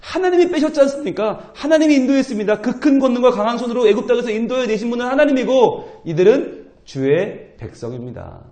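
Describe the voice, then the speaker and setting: A male pastor preaching at an early-morning church service, talking in a lively, colloquial way and playfully acting out scripture dialogue. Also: extremely high pitch, fast talker, hardly any pauses. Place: church sanctuary. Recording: roomy church echo.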